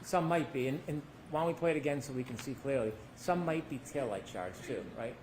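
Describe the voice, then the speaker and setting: A man's voice: medium pitch, a little fast, noisy background. Male trial lawyer, pointed cross-examiner, mid-range voice, courtroom recording. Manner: pointed leading questions with tag endings. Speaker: defense attorney.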